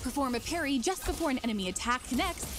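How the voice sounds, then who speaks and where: A woman's voice: high-pitched, animated, fast. Woman narrating a game trailer over music. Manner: smooth upbeat promo delivery. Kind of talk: scripted promotional narration.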